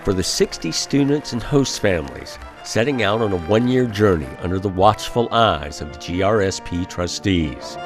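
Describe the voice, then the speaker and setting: A man giving scripted narration for a promotional video in a measured, formal way. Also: lowish voice, animated. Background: music.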